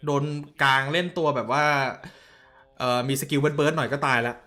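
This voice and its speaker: A man streaming himself watching a match, commenting casually in a blunt, excitable way with crude slang and answering viewer messages. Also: a little high, moderate pace.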